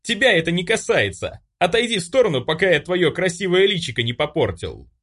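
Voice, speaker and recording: A man's voice: high voice, sing-song, brisk, fairly bright tone, breathy edge, voice pushed up, heavily acted. A man voicing an arrogant, hot-tempered young male noble mage who shrieks hysterically. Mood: furious.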